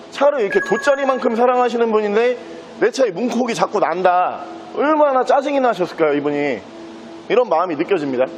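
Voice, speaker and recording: Man, high-pitched voice, chatty used car salesman, casual walkaround presentation, some vehicle and ambient noise behind. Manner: chatty salesman's pitch, praising as he points out details.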